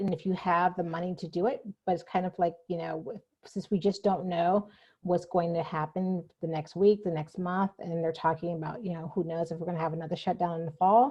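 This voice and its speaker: Fairly quick and fairly even in intonation, a woman talks in a somewhat breathy voice at a fairly low pitch. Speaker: accountant and business owner. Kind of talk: business presentation over video call. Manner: fast when nervous.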